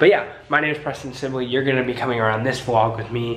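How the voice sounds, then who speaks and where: There is light background noise behind this man's voice. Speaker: travel vlogger. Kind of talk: casual vlog chat. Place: home room. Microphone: phone near.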